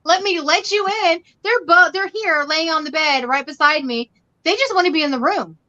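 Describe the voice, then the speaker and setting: A middle-aged woman hosts a casual livestream from her bedroom, her voice high and bright. She talks loudly and animatedly, rambling through anecdotes with quoted dialogue. The sound is dull and lo-fi. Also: moderate pace. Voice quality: loud, animated storytelling voice. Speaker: livestream host. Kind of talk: casual chat. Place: bedroom at home.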